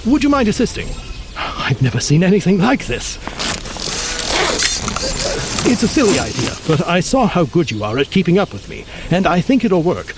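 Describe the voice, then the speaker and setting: A man's voice: high voice, very animated, normal speed, long pauses, background noise. A man playing an erudite, genial mutant scientist in an audio drama, speaking in a florid, pompous, theatrical manner with bookish words. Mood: excited. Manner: florid, pompous, bookish vocabulary with emphatic delivery. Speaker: scientist guide.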